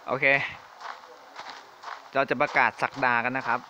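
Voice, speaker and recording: A man giving jokey, excitable commentary while playing a shooting game, exclaiming often. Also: medium pitch, a little slow, muffled recording, a little hiss or hum. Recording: game sounds and gunfire behind.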